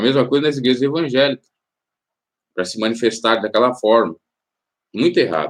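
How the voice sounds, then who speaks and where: A man speaks at a fairly quick pace with medium pitch and ordinary pitch variation. He leaves long, frequent pauses. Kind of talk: news commentary. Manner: halting, self-correcting.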